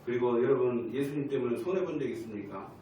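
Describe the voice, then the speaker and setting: A man's voice: medium pitch, lively intonation, quick pace, muffled recording, slight background noise. A male pastor preaching a Sunday sermon and questioning the congregation. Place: church sanctuary. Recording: echoey church hall from a distance.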